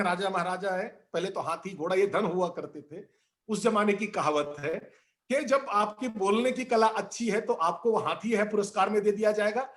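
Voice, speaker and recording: A man speaking as a guest in a discussion, giving a measured, teacherly talk and reciting verses and couplets along the way. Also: sits high. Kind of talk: didactic talk on the art of speaking.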